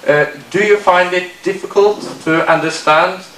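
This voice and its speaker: A man with a Norwegian accent talks in plain, careful phrases, his voice pitched slightly high. He is picked up from across an echoey room on a camera mic, with faint hiss behind. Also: normal speed, fairly bright tone, distant mic. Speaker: visitor in conversation. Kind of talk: casual chat. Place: small room indoors.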